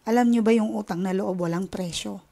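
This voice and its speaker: Impassioned Filipino woman, mellow voice. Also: mid-range voice, fairly quick, gravelly. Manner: impassioned, indignant, switching between Tagalog and English. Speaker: tarot reader and channel host. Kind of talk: casual chat to viewers.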